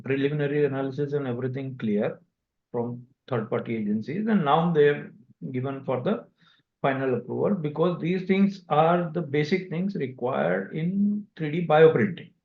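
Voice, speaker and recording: A man with an Indian accent answering investors as a company executive on a conference call, speaking haltingly with pauses mid-sentence. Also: fairly high pitch. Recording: dull, echoey conference call audio.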